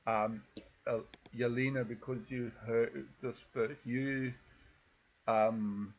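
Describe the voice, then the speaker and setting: A man with a South African accent narrating a tabletop game as game master in a relaxed, loose way with many fillers. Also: medium pitch, takes it slowly, highs cut off.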